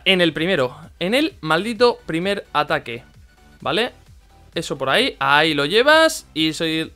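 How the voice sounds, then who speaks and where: A young man narrates his mobile game for his viewers, animated and quick to vent his frustration. His voice is high, bright and smooth, and it swings all over his range. Faint game music plays behind him. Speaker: gaming YouTuber. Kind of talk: excited game commentary.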